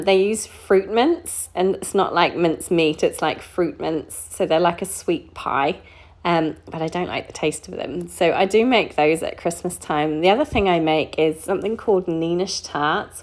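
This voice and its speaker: A middle-aged woman from New Zealand, a card-making crafter, gives casual voice-over narration while colouring at her home craft desk. Her low-pitched voice is relaxed and easygoing, chatty, with frequent ums and small laughs.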